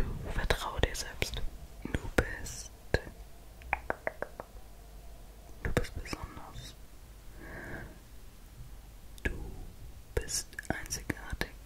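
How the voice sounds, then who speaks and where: Speaking very slowly, a soft-spoken woman whispers with long, frequent pauses. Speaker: ASMR creator. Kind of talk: soft ASMR chat and affirmations. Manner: soft close-mic German whisper. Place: home room. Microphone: studio mic.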